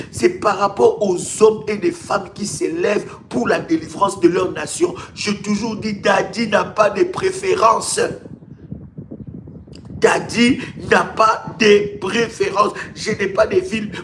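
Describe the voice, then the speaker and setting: A man's voice: high-pitched, steady tone, takes it slowly, a bit bright, low-quality recording. A man preaches as a pastor on a live stream. His delivery is emphatic and repetitive, often stumbling into restarts as he drives a point home. Faint noise sits behind him. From Congo. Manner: emphatic and repetitive, with rhetorical questions and stammered restarts. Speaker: pastor, ministry leader.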